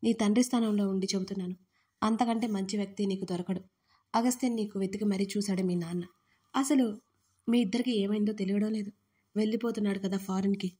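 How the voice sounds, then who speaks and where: A woman voicing a gentle fatherly older man. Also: medium pitch, steady tone, fast, breathy edge, close to an everyday voice. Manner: soft, pleading, affectionate.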